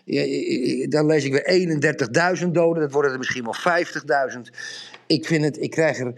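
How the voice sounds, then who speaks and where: A man's voice: a little high, fairly quick. A man telling a long, rambling story to his co-host, growing more emphatic as he goes. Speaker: podcast co-host. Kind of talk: casual monologue on a podcast.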